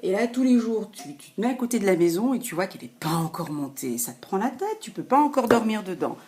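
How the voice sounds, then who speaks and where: A woman giving a casual, animated tarot reading straight to the viewer, with many restarts and exclamations. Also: mid-range voice, fast talker. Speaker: tarot reader.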